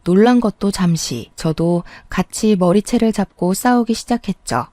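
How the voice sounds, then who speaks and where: A woman narrating a personal story in a calm, sometimes sarcastic scripted reading. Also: mid-range voice, moderate pace, dry recording, clean studio sound.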